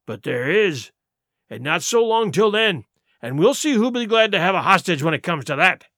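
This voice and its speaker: Cunning old pirate cook, put on by a male narrator. Bright, lively, menacing, rough sailor's talk; dry close recording. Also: high-pitched, moderate pace, no room sound, full character voice.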